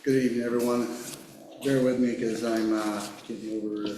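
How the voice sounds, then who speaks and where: Nasal man with a cold, deputy briefing a committee, halting, echoey video-call audio. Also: medium pitch, little pitch movement. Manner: plain, halting with fillers. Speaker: sheriff's deputy presenting. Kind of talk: meeting presentation. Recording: echoey room, faint noise.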